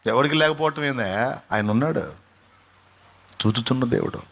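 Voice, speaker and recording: A man's voice: mid-range voice, expressive, moderate pace, vocal fry, fairly bright tone. A male pastor delivering a sermon in an emphatic style, repeating phrases and asking rhetorical questions.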